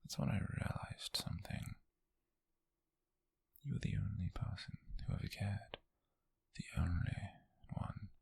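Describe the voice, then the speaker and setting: A British man playing an obsessive, possessive coworker turned tender captor in an ASMR roleplay, speaking in a breathy, gravelly, coaxing hush. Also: fairly low pitch, no room sound, full character voice. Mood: confessional, fixated. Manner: slow, coaxing, hushed, intimate with pauses. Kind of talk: whispered ASMR roleplay monologue.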